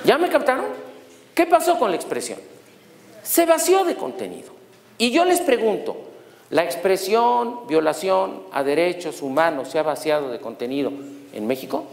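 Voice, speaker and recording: In an echoey lecture hall, a middle-aged man with a Mexican accent gives an animated law lecture full of stories, jokes, and questions for his audience. His voice sits high with vocal fry, at a moderate pace, with slight background noise.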